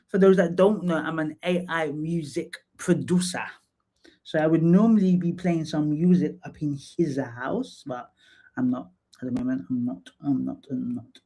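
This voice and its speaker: A woman, hosting a live stream in a casual, chatty way, full of fillers and restarts and quick to laugh. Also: low-pitched, mellow. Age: 30s. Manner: chatty, laughs easily, lots of fillers and repeats. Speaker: livestream host and psychotherapist. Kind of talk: casual livestream chat.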